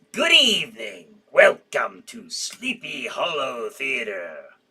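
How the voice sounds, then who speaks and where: In a put-on character voice, a man is talking. He goes at a fairly slow pace. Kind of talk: formal greeting. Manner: welcoming, theatrical.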